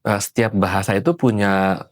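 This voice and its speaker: Male host, very low voice, dry close sound, lots of "hmm" backchannel. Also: steady tone, moderate pace, no echo. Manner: frequent backchannel "hmm", brief follow-up questions. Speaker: interview host. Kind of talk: interview conversation.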